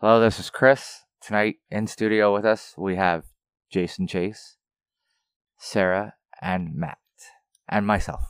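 A man hosts a small podcast and reads out his questions a little haltingly. His low voice is smooth and clear, recorded close and dry. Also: fairly even intonation, no room sound. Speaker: podcast host. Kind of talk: casual interview questions.

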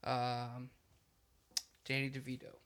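A young man hosting a podcast, chatting casually with crude, deadpan jokes. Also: mid-range voice, slow. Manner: joking, crude, deadpan asides. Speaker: podcast host.

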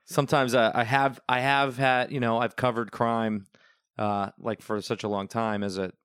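A man's voice: medium pitch, flat delivery, normal speed, fairly bright tone, clean tone, no room sound, clean studio sound. A young man from the Northeastern US, a TV news reporter, telling rambling stories in a casual podcast chat and laughing often.

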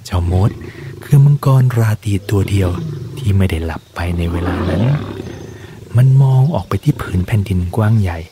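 A man narrating a bedtime story gently in a soft ASMR style. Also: deep voice, lively intonation, normal speed, noisy background.

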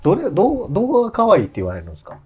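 A man's voice: high voice, huge pitch swings, racing, dark tone, slightly rough. A man with a Kansai accent on a casual talk show, shy about himself and asking the others questions. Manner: shy, questioning, laughing off requests. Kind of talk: casual chat.

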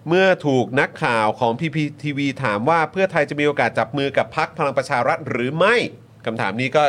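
A man's voice: a little high, expressive, fast talker, a bit bright. Easygoing man reading the day's news. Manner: reads headlines with polite particles and fillers. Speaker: news talk show host. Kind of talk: casual news chat.

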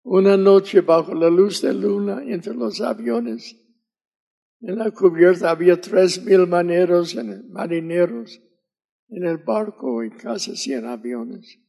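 A man in his nineties from Mississippi with an American accent and English as his first language, preaching a fervent and deliberate sermon as a visiting preacher. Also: high voice, creaky, warm tone, rough recording. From Mississippi, USA. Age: 90s.

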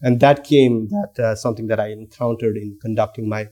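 Fairly low-pitched and mellow, with fairly even intonation and a slightly fast pace, this Nepali researcher in his thirties speaks as a guest lecturer. His thoughtful academic talk features frequent fillers and restarts.

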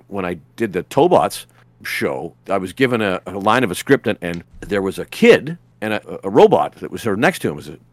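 A man's voice: on the low side, no room sound. A man, a voice actor guest on a podcast, telling rambling anecdotes with lots of restarts and fillers. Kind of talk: casual podcast interview.

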